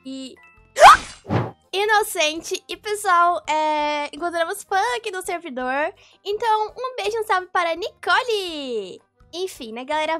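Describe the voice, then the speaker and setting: Young Brazilian woman, gaming YouTuber, high bright voice, excitable chatter over game music. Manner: excitable, repeats words in quick bursts. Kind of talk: casual gameplay commentary.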